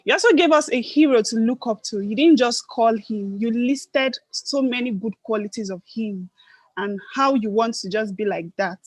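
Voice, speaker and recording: A woman with a soft, quiet voice gives a gently encouraging speech evaluation at a club meeting. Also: moderate pace, dry recording, poor audio. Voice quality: soft, low-volume voice. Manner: gently encouraging, self-correcting.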